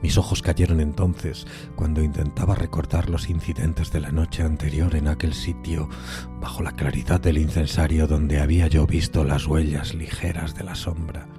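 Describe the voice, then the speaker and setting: A man giving a dramatic, theatrical literary narration of a gothic horror story, moving between hushed and emphatic phrasing. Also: a bass voice, flat delivery, moderate pace, music in the background. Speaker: podcast narrator reading a horror tale.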